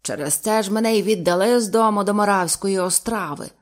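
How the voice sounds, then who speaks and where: A woman voicing a stout old sea captain who speaks slowly, bluntly and jovially. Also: medium pitch, close to an everyday voice. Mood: hearty.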